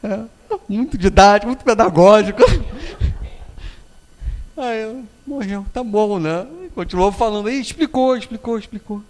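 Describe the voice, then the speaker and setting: A man's voice: high-pitched, normal speed, pauses often, darkish tone. A Brazilian man giving a spiritist public lecture, telling anecdotes and acting out the voices of the people in them, with frequent tag questions. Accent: Brazilian Portuguese. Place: lecture hall. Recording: long hall reverb.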